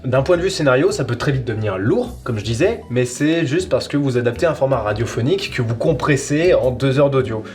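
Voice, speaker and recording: A man's voice: medium pitch, expressive, a little fast, hardly any pauses, a little mellow, soft background music. A man presenting a casual review of an audio series, rambling and repeating words for emphasis. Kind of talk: casual chronicle, semi-improvised.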